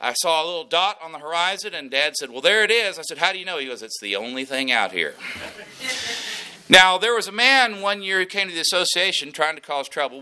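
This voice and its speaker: A man preaching a sermon, telling folksy stories as he preaches. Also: fairly high pitch. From West Texas. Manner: folksy storytelling, animated preaching. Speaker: pastor.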